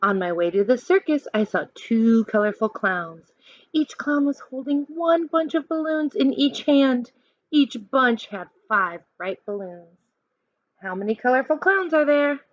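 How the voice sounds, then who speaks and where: In a dull, echoey room recording, a woman reads aloud to children as a teacher would. Her pitch swings up and down in a lively way as she poses questions and coaches the listeners. She takes her time, keeping an unhurried pace. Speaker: teacher reading a picture book aloud to children. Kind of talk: animated children's read-aloud with counting questions.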